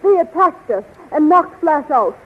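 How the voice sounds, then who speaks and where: An actress playing a brave, excitable young adventuress in a 1930s radio serial. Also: female voice, high voice, unhurried. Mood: urgent. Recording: tinny 1930s radio recording.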